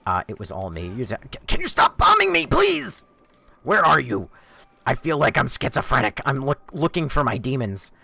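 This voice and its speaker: A young man streaming a game live, reading chat sarcastically and shrieking when the game scares him, his voice going hoarse. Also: medium pitch, wildly swooping pitch, normal speed, bright, forceful tone, no echo. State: losing his voice.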